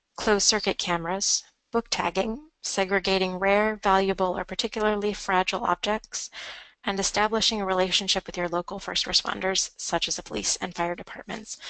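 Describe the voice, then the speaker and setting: A woman's fairly quick, monotone, flat delivery at medium pitch, bright and sharp in tone, dry and close with no echo against a quiet background. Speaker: preservation specialist presenting a webinar. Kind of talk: webinar lecture. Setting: webinar. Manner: hesitant, frequent um fillers.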